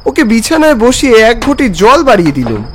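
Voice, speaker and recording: A man playing a concerned, skeptical friend who narrates a ghost story with expressive, questioning delivery. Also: extremely high pitch, brisk, a little hiss or hum, full character voice. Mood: narrating, uneasy. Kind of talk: dramatic scripted Bengali audio story narration. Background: background music.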